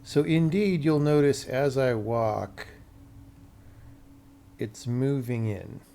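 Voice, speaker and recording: A man's voice: mid-range voice, slow pace, creaky, mellow, slight background noise. A man live-streaming game development, thinking aloud casually and muttering to himself in short fragments.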